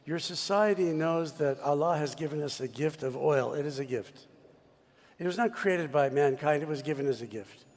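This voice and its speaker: A man's voice: fairly high pitch, moderate pace, darkish tone. Man speaking emphatically in a reverberant hall. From United States. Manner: expansive, emphatic speechmaking. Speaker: mining executive panelist. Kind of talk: panel discussion. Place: large conference hall. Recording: long reverb of a conference hall.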